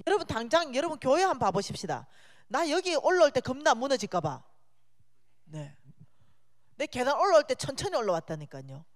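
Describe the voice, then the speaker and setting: A woman giving a sermon as a guest speaker in a church, animated and chatty, joking with the congregation. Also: a little high. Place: church sanctuary. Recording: long reverb of a church hall.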